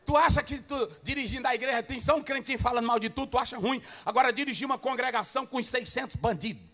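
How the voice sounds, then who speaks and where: A pastor preaching to pastors, swinging between loud shouted passages and low asides and firing rhetorical questions at the listeners. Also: male voice, quick pace. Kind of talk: Pentecostal-style preaching to pastors.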